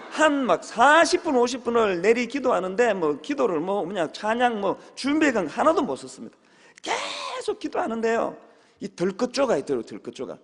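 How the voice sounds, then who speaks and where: Man, pastor, sermon, humorous storytelling, sudden shouts, very lively pitch, reverberant church. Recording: long hall reverb.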